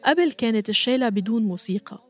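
A woman hosting a podcast, narrating from a script in a calm, explanatory way. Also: a little high, fast, soft background music. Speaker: podcast host.

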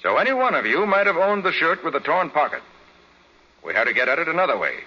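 An actor playing a shrewd, commanding private detective, brisk and authoritative, in 1940s radio drama style. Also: male voice, on the high side, big pitch swings, breathy edge. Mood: commanding, expository. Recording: dull 1940s radio recording.

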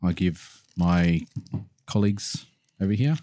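A man's voice: deep voice, takes it slowly, warm tone, dry recording. A man co-hosting a podcast, casually running a game with easygoing laughter. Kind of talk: casual chat.

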